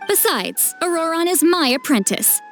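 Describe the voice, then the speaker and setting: A woman playing a self-assured, caring female tribal mentor in an anime-style video game, talking in a measured, frank way. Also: very high-pitched, sing-song, a bit bright, heavily acted. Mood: confident, explanatory. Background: music.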